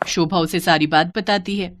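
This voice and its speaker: A woman narrating a scripted moral story in an expressive storytelling style. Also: fairly low pitch, moderate pace, background noise.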